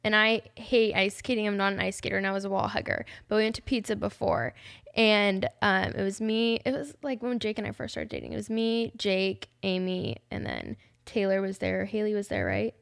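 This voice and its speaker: A woman's voice: medium pitch, moderate pace, vocal fry, smooth. Chatty young woman podcast host. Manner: chatty, many "like" fillers, emotional. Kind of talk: casual heartfelt chat.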